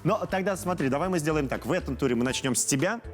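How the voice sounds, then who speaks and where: A man's voice: fairly high pitch, lively intonation, quick pace, over music. A man hosting a children's TV show in a chatty, encouraging, conversational way with children and parents. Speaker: host of a children's TV quiz show.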